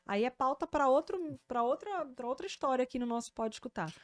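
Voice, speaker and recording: A Brazilian-accented woman speech therapist talks through her topic like a patient teacher, animated and sure of herself. Her voice sits a touch high, and the recording is dry and close. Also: a little fast, dry recording. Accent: Brazilian Portuguese. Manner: didactic, animated, checks in with "né?" and "tá?". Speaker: speech therapist and podcast host. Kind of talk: explanatory podcast conversation.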